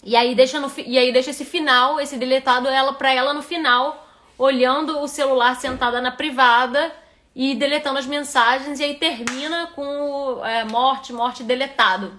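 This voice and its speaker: A writing instructor with a Rio de Janeiro Portuguese accent gives a live critique of a reader's manuscript, thinking aloud and restarting often. Her voice is high-pitched and a bit bright, with a steady tone and moderate pace.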